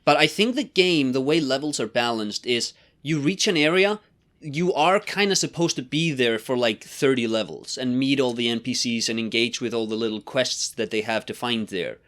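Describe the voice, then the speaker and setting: A man co-hosting a podcast, laying out his points in a measured, explanatory way. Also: medium pitch, a bit bright. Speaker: podcast co-host. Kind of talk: casual analytical chat.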